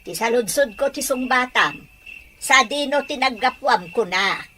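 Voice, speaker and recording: A woman's voice: on the high side, lively intonation, a little slow, sharp tone, a little hiss or hum. A woman playing a doting, fretful older mother figure in a Filipino audio drama, exclaiming and drawing out words in a Filipino accent. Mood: worried, scolding. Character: old grandmother or mother, warm, doting, fretful. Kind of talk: Ilocano audio drama acting.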